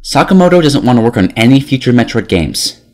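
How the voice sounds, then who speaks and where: Lively, sarcastic young man reviewing games. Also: mid-range voice, a little fast. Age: 20 years old. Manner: sarcastic, opinionated. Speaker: video game reviewer. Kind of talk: scripted video review narration.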